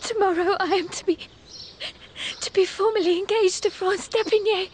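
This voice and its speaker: Brief: very high, pleading young noblewoman, radio play, faint ambience. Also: fairly even intonation, normal speed, a little hiss or hum. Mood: distressed. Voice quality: pleading, distressed. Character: anxious young noblewoman in love. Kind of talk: radio drama acting.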